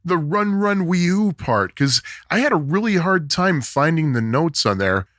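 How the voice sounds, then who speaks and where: A man with a bass voice co-hosting a podcast, chatting in a jokey, animated way. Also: measured pace, no echo, studio quality. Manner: animated, jokey, swoops in pitch. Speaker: podcast co-host. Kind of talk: casual chat.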